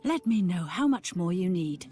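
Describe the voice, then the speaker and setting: An actress playing a demanding, exasperated black-market customer in a video game, curt and sarcastic. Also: female voice, fairly low pitch, sing-song, normal speed, warm tone. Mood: annoyed. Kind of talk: video game character dialogue. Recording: music under the voice.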